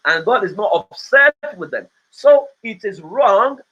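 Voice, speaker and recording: A man's voice: sits high, animated, measured pace, bright, forceful tone, breathy edge. A man, host of a podcast, giving a motivational talk in a preachy way, often adding "right?". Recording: dull lo-fi recording.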